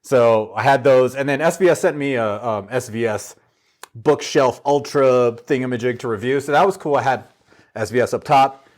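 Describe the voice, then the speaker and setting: A man's voice: medium pitch, normal speed. Casual, rambling male gear enthusiast. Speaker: home theater enthusiast giving a walkthrough. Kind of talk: casual gear walkthrough chat. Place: living room of a house.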